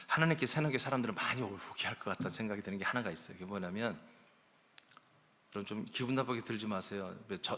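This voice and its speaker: A man in his sixties preaching a sermon as pastor. He talks in a conversational, storytelling way and swings between loud emphasis and hushed asides. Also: lowish voice. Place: church sanctuary. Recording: long church hall reverb.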